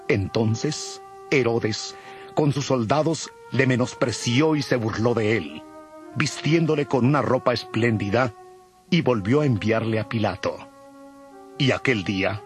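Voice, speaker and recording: A man reading scripted Bible narration in a formal, measured, solemn manner. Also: mid-range voice.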